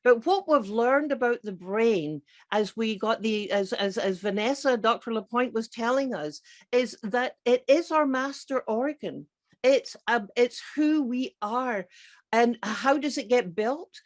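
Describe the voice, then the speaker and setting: A woman's voice: on the high side, expressive, measured pace. Enthusiastic Scottish-accented woman speaker. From grew up partly in Scotland. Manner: enthusiastic, emphatic, repeats key words. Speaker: psychiatrist and keynote speaker. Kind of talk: conference presentation.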